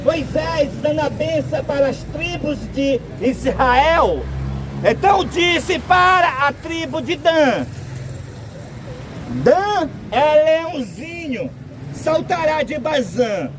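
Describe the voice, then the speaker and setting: A Brazilian man preaching a sermon outdoors, speaking in slow, deliberate, drawn-out phrases. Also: very high voice, lively intonation. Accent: Brazilian Portuguese. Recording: outdoor street noise with traffic.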